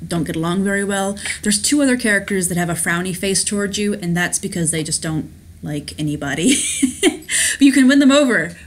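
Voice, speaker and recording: A woman chatting her way through a story game at home, reading the text aloud and gushing about it. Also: mid-range voice. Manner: chatty, enthusiastic, giggly, with restarts. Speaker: let's play host. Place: home, at a laptop.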